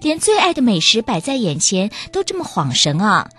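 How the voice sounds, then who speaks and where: A woman's voice: mid-range voice, wildly swooping pitch, moderate pace, breathy edge, soft background music, full character voice. A woman voicing a caring, eager young granddaughter in a radio story. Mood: eager, coaxing. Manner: bright, eager, coaxing.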